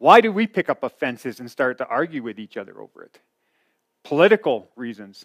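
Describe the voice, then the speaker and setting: Fairly high and fairly quick, a man's voice makes very wide pitch swings and big swings in loudness, the sound dry and close with no echo. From rural village abroad, grew up on a farm. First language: not English. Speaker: church leader giving sermon. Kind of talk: sermon. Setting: church with congregation. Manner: halting, many fillers.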